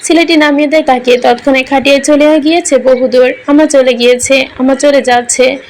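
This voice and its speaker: A woman's voice: high-pitched, steady tone, moderate pace, slight background noise. A woman narrating a romantic story in an emotional, melodramatic reading style.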